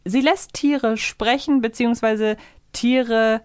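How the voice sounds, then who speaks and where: A woman's voice: a little high, fairly even intonation, slow pace, smooth, no room sound, studio quality. A woman co-hosting a casual review podcast, rambling and correcting herself as she goes. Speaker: podcast co-host.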